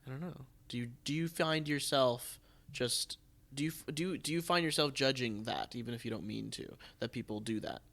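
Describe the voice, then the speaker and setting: A man hosting a casual interview, speaking haltingly and often rephrasing his questions. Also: mid-range voice, a bit bright. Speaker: podcast host, theatre producer.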